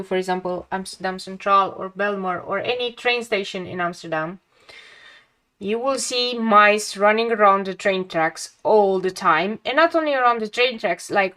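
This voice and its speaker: A young woman with a calming, mid-pitched voice. She talks in a casual, chatty way to viewers of her drawing livestream and often addresses them directly. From lives near a big Dutch city. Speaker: art livestream host. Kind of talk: casual chat while drawing.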